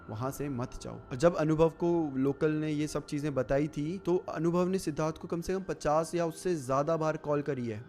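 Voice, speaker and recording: A man hosting a show, narrating a scary true story in a relaxed, conversational way. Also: medium pitch, slight background noise. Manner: conversational, relaxed retelling with fillers. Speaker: horror story narrator and host. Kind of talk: casual storytelling.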